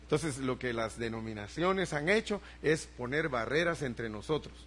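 A man's voice: medium pitch, expressive, moderate pace, fairly bright tone. An older male pastor preaching a sermon, asking the congregation for responses and building emphasis.

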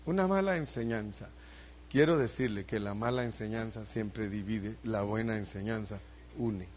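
A man's voice: fairly low pitch, normal speed, darkish tone, a little hiss or hum. An older male pastor preaching a sermon, asking the congregation for responses and building emphasis.

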